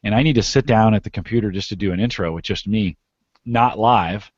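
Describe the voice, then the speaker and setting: A man's voice: fairly low pitch, fairly quick, a little mellow, no room sound. A man who podcasts, talking conversationally as an interview guest and explaining things with repeated phrases for emphasis. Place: live video call. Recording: dull lo-fi online call audio.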